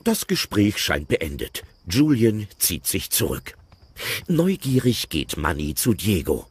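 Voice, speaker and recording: A man narrating an audio play with expressive, playful commentary. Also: fairly low pitch, slow, slightly rough.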